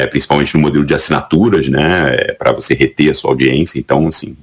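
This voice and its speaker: A man speaks over noticeable background noise. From Rio de Janeiro, Brazil. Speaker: crowdfunding platform executive. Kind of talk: interview.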